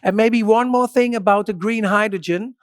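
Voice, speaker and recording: A man with a notably high voice gives an ordered conference presentation, laying out his points one by one. The recording is dry and close. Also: normal speed, smooth, no echo. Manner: structured, policy-focused delivery. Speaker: conference speaker.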